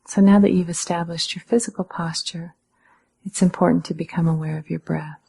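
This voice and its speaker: A woman meditation teacher giving calm, measured guided instruction in a breathy, slightly husky voice, with gentle pauses. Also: on the low side.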